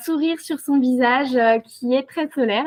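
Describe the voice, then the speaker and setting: A woman's high-pitched voice moves along at a fairly slow pace. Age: 20s. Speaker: podcast host. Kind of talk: podcast interview. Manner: hesitant, many fillers.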